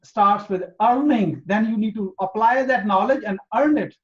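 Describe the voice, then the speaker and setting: A man from Pakistan hosting an interview, speaking earnestly and emphatically and spelling out his points slowly. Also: high-pitched, fairly bright tone. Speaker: interview host. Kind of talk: motivational interview. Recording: dull lo-fi audio.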